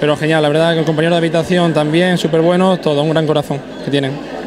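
Noticeable background noise under a man's voice with fairly even intonation. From Spain, Jaén (Andalusia); Andalusia, Spain. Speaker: beauty pageant winner. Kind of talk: interview. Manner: halting. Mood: happy, proud. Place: hall. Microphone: handheld.

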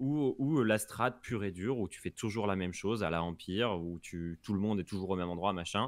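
In a plain, everyday voice, the speech moves at a fairly quick pace with ordinary pitch variation and a dry sound with no echo. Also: man, fairly low pitch for a man. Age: young. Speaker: pro esports player. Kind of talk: interview. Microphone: studio mic.

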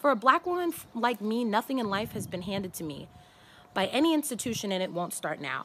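Over light background noise, a woman with an American accent talks at a fairly quick pace in a fairly high, animated voice with very wide pitch swings. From New York City (Bronx). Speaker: graduating student. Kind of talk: commencement speech. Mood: proud, sassy, emotional. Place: street. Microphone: phone near.

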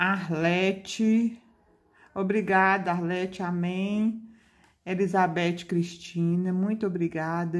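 At a very slow pace, the speech keeps monotone, flat intonation and very even loudness on a very clean recording with a silent background. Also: woman. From Minas Gerais, Brazil (Belo Horizonte). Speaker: beadwork craft video creator. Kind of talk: casual vlog answering viewer comments.

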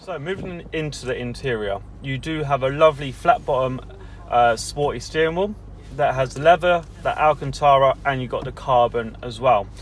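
Light background noise accompanies a man speaking at a moderate pace with ordinary pitch variation, in a dry sound with no echo. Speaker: car salesperson. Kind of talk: product walkaround commentary. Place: car.

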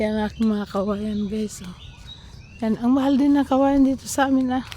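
Long, frequent pauses break up a woman's speech at a moderate pace, with noticeable background noise behind her. Her pitch is fairly high, with ordinary variation. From Philippines, Pangasinan. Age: 50s. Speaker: vlogger and landowner. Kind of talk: casual vlog walkthrough. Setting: outdoors on a farm.

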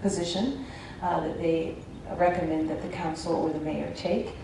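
A woman speaks with a fairly low pitch. Noticeable background noise and audible room echo fill the recording. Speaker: human rights commission member. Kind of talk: self-introduction at a conference. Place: hall.

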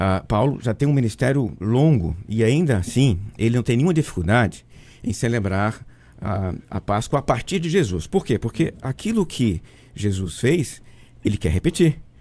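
With a dark, mellow tone and a medium pitch, a man speaks at a moderate pace, his pitch swinging very widely. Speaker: pastor. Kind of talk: debate and closing prayer. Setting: radio studio. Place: studio. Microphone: studio mic.

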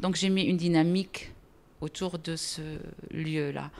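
Talking at a fairly slow pace, a woman keeps a fairly low pitch and fairly even intonation. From Morocco. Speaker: restaurant owner. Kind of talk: personal testimony; interview answer. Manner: hesitant with fillers. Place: cafe.

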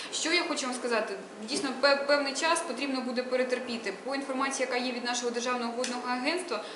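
A woman's high-pitched voice with fairly even intonation, over noticeable background noise. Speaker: deputy environment minister. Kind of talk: live Q&A with callers. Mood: calm, explanatory. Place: meeting room.

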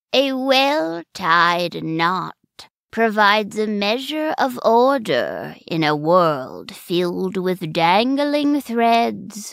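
A female-sounding, put-on character voice speaks very slowly at a medium pitch. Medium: read story. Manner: pompous, droning, dramatic.

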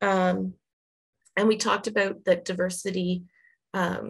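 Behind the woman speaking, the background stays quiet. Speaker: nonprofit managing director. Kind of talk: breakout group report. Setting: video call. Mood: warm, engaged. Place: home room. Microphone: video call.

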